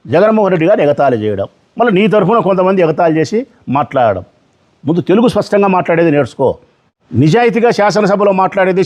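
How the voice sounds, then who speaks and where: A middle-aged man delivers a political press statement. His voice sits fairly high for a man. He speaks combatively, firing off rhetorical questions. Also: darkish tone.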